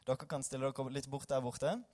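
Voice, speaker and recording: A man's voice: medium pitch, level tone, a little mellow. A tired young man giving an informal sermon in a church hall, joking with the congregation and reading scripture aloud. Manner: self-deprecating, joking, chatty with the congregation. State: tired after little sleep. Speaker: preacher.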